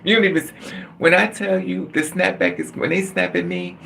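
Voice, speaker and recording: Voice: medium pitch, fairly even intonation, fairly quick, gravelly, a bit bright, slight background noise. A middle-aged livestream host chatting casually and candidly with viewers, laughing often and calling on them by name.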